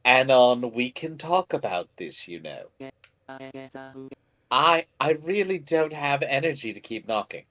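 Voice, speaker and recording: A man's voice: medium pitch, very animated, measured pace, a bit bright. A man playing a weary, casually amoral serial killer housemate in a game, pleading in a matter-of-fact way.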